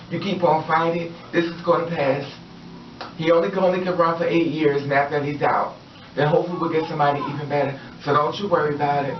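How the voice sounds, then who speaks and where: A woman's voice: low-pitched, slight background noise. A woman vlogger giving her opinions in a casual monologue, emphatic and repetitive, preaching encouragement. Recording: roomy, distant, dull lo-fi audio.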